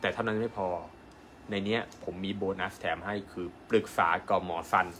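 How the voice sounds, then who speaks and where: A man, a doctor, giving an animated live-stream sales pitch and asking his viewers rhetorical questions. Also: brisk, background noise. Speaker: acupuncture doctor selling an online course.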